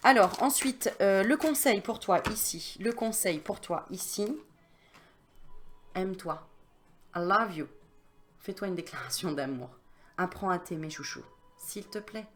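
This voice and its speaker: A woman's voice: medium pitch, animated, measured pace, long pauses, soft background music. Chatty woman giving a card reading. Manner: chatty and familiar, full of fillers and asides; coaxing, reassuring and insistent. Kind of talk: casual oracle card reading addressed to the viewer.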